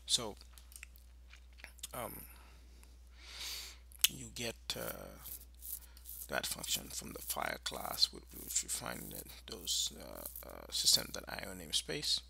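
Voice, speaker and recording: A man presenting an informal screencast tutorial, explaining in a halting, improvised way. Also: low voice, huge pitch swings, creaky, pushed and bright, slight background noise.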